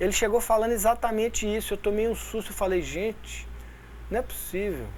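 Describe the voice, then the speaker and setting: A man speaks fairly quickly, with audible room echo around him. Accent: Minas Gerais. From Minas Gerais, Brazil. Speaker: conflict mediator and course instructor. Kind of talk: online lecture with anecdote.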